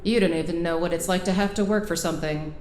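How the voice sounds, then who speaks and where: A woman's voice: steady tone, fast talker, a little mellow, lightly acted. An actress with an American accent playing a fierce, wounded young woman with a sarcastic, emphatic way of talking in an audio drama. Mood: bitter, accusing. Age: young adult. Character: fierce, wounded young woman lawyer scolding old friend. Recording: roomy sound with faint rumble.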